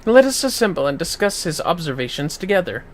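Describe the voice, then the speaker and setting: A man's voice: a little high, sing-song, brisk. A man voicing a courteous woman leader in a fantasy game, with formal, archaic diction. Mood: courteous, earnest. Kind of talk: reading game dialogue aloud in character.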